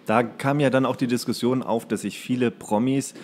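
A man's voice: mid-range voice, steady tone, normal speed, darkish tone, slight background noise. A man who co-hosts a podcast, chatting in a rambling, colloquial, joking way. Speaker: podcast co-host. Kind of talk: casual comedic chat.

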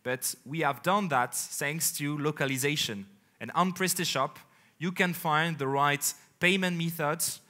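French-accented man giving a bright keynote. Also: fairly high pitch. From France. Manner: energetic, gesturing, emphatic pauses between phrases. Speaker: company executive presenting on stage. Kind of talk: conference keynote presentation. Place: large indoor conference stage.

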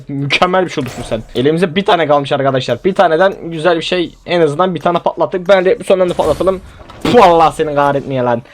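A young man giving casual, animated gameplay commentary, pleading with and exclaiming at the game as he plays. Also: fairly high pitch. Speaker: gaming YouTuber.

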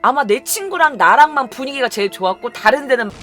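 A woman's voice: high-pitched, quick pace, slight background noise. A young woman vlogger telling a story in a casual chat style, acting out the people she quotes. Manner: animated, acts out quoted people.

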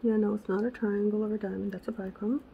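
A woman hosting a casual crafting tutorial, chatty and correcting herself, her voice raspy because she is losing it. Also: medium pitch, flat delivery, fast, dull audio, slight background noise. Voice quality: gravelly. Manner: chatty, self-correcting, muttering asides to herself. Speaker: craft channel host.

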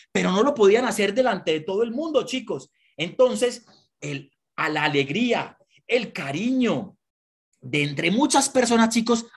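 A woman giving a lively lesson to children, asking them questions and having them repeat words. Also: medium pitch, slightly rough. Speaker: children's history presenter.

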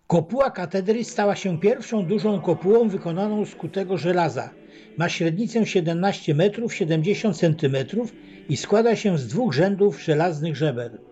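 A man giving a scripted travel narration as a voice-over, reading facts and figures in a measured, even way. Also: high voice. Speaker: documentary narrator. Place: voice-over, not recorded at the pictured site. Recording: dull lo-fi voice-over with faint choir music.

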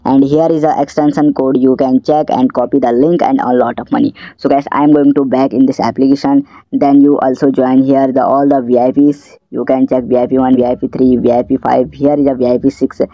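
A man's voice: medium pitch, level tone, brisk, no echo. Male app promoter, South Asian accent, instructional and repetitive, dry close lo-fi voice-over. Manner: repetitive step-by-step instruction in non-native English. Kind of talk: screen-recorded tutorial narration. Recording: dull, lo-fi voice-over.

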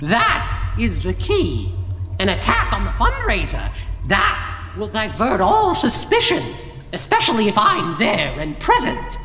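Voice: mid-range voice, wildly swooping pitch, unhurried, roomy sound, in a large hall, music in the background, pitched above the performer's own voice. A game master voicing a haughty, gloating villain who schemes and lectures an underling in a fantasy audio game.

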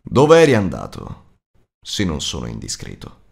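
A man's voice: rumbling low, wildly swooping pitch, measured pace, creaky, darkish tone, voice pushed down, full character voice. A man voicing a proud, impatient male dwarf leader in an audiobook, asking blunt, pressing questions.

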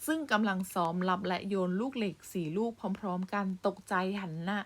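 A woman's voice: mid-range voice, brisk. A woman teaching young primary pupils, reading a story aloud and stopping to explain words patiently. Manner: patient, addresses pupils directly with polite particles. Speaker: primary school Thai teacher.

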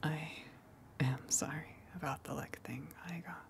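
A woman voicing a gentle, shy, affectionate tentacle monster in an ASMR roleplay, in a breathy whisper with a hesitant, apologetic manner. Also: sits low, fairly even intonation, a little hiss or hum. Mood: affectionate, sheepish. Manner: hesitant, apologetic, soft giggles between halting phrases.

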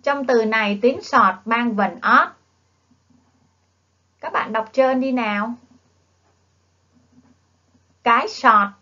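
A woman with a Southern Vietnamese accent leads a primary phonics lesson in a fairly high voice. She speaks very slowly and drills the children patiently. The recording sounds dull and lo-fi. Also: bright, forceful tone. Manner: coaxing, prompts children to repeat. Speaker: primary school teacher. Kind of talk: slow, drawn-out phonics lesson for young children. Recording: dull lo-fi classroom video audio.

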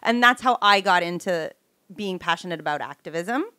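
A woman's voice: fairly low pitch, expressive, moderate pace, pushed and bright, dry recording, studio quality. A woman, hosting a casual conversational interview. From Canada. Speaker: podcast host and interviewer. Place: small home-style studio, indoors. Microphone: close studio microphone with headset monitoring.

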